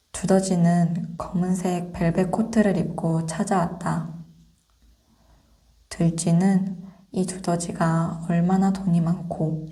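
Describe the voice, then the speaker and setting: A woman reading a fairy tale as ASMR in a soft, breathy, whispery low voice, gently and without hurry. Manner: slow, gentle, unhurried. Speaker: ASMR storyteller.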